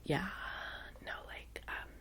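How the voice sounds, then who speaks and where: A woman with an American valley girl accent playing a chatty, eager personal assistant to a vampire in a soft-spoken ASMR roleplay, in a breathy whisper, rambling with lots of filler words. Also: slow pace, natural voice. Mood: soft, businesslike. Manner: chatty, hesitant, frequent "like" filler.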